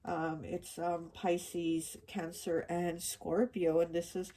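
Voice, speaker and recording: Lady doing a tarot reading, kinda low and husky, stuffy nasal allergy voice, lots of ums and restarts. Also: little pitch movement, takes it slowly, dark tone. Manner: rambling, many fillers and restarts. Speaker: tarot reader. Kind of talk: casual pick-a-card tarot reading.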